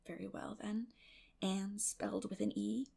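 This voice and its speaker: Woman voicing a stern, brisk older woman. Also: medium pitch, level tone, vocal fry, mellow, slightly rough, full character voice. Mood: resigned, questioning. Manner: brisk, no-nonsense. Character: stern, practical older woman, brusque and plain-spoken.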